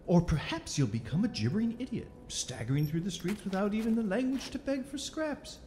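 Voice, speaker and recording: An actress playing a cruelly amused, sinister mage inquisitor with a theatrical, drawling, condescending manner in an audio drama. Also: female voice, mid-range voice, big pitch swings, brisk, dark tone, slight background noise, natural voice. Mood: cruel amusement. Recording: long echoing reverb, music underneath.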